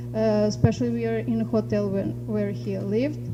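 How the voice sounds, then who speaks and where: With music in the background and audible room echo, a woman with a Serbian accent speaks in a very deep, low voice at a moderate pace, her intonation lively. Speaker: chamber of commerce representative. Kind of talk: conference panel talk. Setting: conference panel in a hotel. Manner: halting, many fillers.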